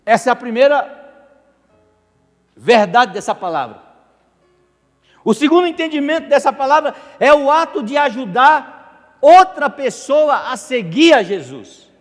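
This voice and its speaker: A man preaching a sermon as pastor, animated and jokey, asking the congregation questions. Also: extremely high pitch, unhurried, pauses often. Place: church hall. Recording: echoey church hall with music.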